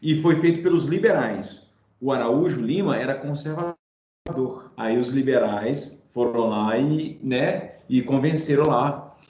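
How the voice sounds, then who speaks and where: A Brazilian man teaching history informally in an online class, telling it like a story in an animated, colloquial way and repeating points for his students. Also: medium pitch, measured pace. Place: indoor room, online class. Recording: roomy, dull sound of an online class.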